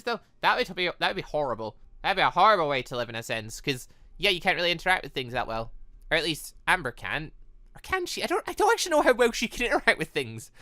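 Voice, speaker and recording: A video game let's-player giving rambling, excitable, casual commentary while playing. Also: medium pitch, fast talker, dry recording, clean studio sound. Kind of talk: casual gameplay commentary and read-aloud.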